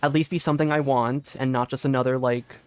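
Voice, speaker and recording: A young man streaming a video game, chatting casually with his viewers, often laughing and getting loudly excited. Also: mid-range voice, fast talker, clear, resonant tone. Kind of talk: casual gaming livestream chat. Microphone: desk mic with limiter filter.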